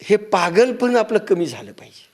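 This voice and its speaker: A man's voice: big pitch swings, normal speed. A man with a Marathi accent giving a devotional discourse, telling stories and acting out their dialogue. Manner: storytelling, acts out dialogue in low muttering voices. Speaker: spiritual discourse speaker.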